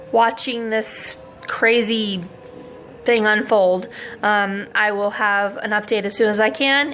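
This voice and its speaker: A woman's voice: a little high, a bit bright. Woman in her 40s vlogging, lots of um and like, kinda rambly and unsure. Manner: rambling, many fillers, thinking aloud. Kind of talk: casual talk to camera.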